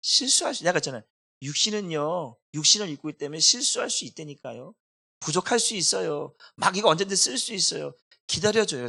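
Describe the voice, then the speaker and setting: A middle-aged man preaching a sermon as pastor, emotional, swinging between loud cries and hushed confession. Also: on the high side, vocal fry.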